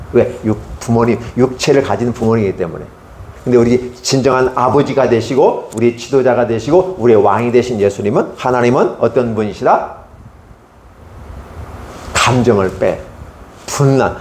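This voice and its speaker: A man giving a sermon to children as a Sunday school preacher, animated and quizzing his listeners with frequent questions. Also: mid-range voice, reverberant, slight background noise. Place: church hall.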